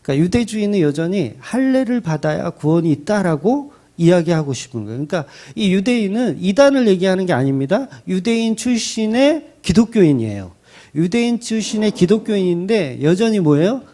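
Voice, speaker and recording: A man preaching a Sunday sermon, his pitch swinging widely as he talks. His voice sits a little high but has a mellow, dark tone. He tells the Bible story in a dramatic, conversational way. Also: a little fast. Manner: colloquial, dramatic storytelling with acted quotes; animated, rising and falling delivery. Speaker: pastor.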